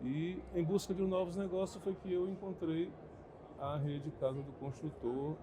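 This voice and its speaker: With a dark, mellow tone, a man talks at a fairly slow pace and varies his pitch in an ordinary way. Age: 60s. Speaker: franchise owner. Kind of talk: interview. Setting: convention. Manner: halting.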